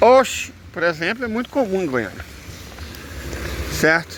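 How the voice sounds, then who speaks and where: Speaking in a Goiás accent at a fairly slow pace, a man uses a high pitch with very wide pitch swings, over noticeable background noise. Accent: old Goiás accent, a type of mineiro. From southern Goiás, Brazil (Catalão/Itumbiara area). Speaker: video essayist. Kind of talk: casual educational monologue.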